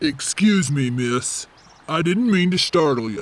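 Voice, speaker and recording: A put-on character voice, fairly slow, with lively intonation. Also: man, fairly high pitch for a man. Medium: read story. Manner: gruff, curt, possessive.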